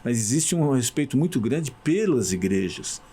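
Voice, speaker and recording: A man speaks as a church guest, telling stories with emphasis. His pitch climbs and falls a lot, and he lands firmly on his key points. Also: moderate pace, husky. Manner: animated storyteller, emphatic. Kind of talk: casual talk show conversation.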